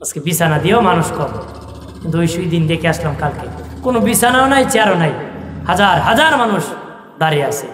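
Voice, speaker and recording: A man's voice: fairly high pitch, animated, a little fast, fairly bright tone, slight background noise. A man preaching a sermon, half-singing his lines and asking the crowd questions. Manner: rhythmic, half-sung preaching with rhetorical questions. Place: large open-air tent gathering over loudspeakers. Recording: echoey PA sound from far off.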